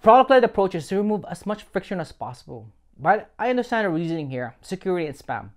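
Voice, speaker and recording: A man's voice: high voice, very animated, fast talker. A man hosting a product onboarding review, narrating from a script with wry jokes and small chuckles. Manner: wry, joking, chuckles at own lines. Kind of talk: scripted narration with playful asides.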